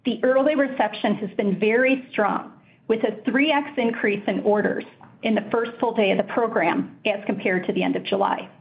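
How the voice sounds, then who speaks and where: A woman reporting a company's financial results on an earnings call in a measured, formal, scripted way. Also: a little high, steady tone, phone-quality sound. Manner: measured, formal reading of figures.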